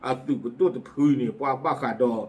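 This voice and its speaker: Speaking at a normal speed with a darkish tone, a man gives casual spoken commentary on community news. He keeps it chatty, dropping in lots of fillers and asides.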